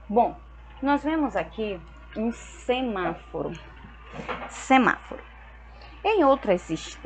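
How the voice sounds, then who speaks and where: A young woman from Brazil, teaching a school lesson and explaining slowly and patiently, often checking in with her students. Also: on the high side, fairly bright tone, low-quality recording. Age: young adult.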